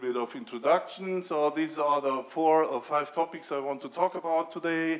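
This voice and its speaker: Speaking at a moderate pace with hardly any pauses, a man uses a fairly high pitch and ordinary pitch variation. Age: 60s. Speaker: chemistry professor. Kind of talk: conference talk. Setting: workshop with audience. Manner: halting, many fillers.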